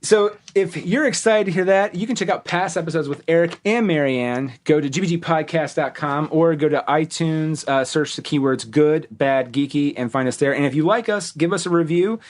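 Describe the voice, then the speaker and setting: A man's voice: a little high, normal speed, hardly any pauses. A man hosting a casual podcast, reading plugs and sponsor spots in a rambling, jokey way that keeps correcting itself. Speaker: podcast host.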